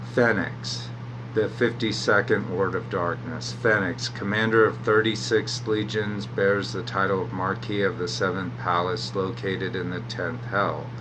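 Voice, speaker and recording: With an American accent, a man speaks at a fairly slow pace and fairly low pitch, his voice making very wide pitch swings over noticeable background noise and audible room echo. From United States. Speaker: tarot reader, occult livestreamer. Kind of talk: livestream tarot reading, partly reading aloud. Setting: Facebook live stream.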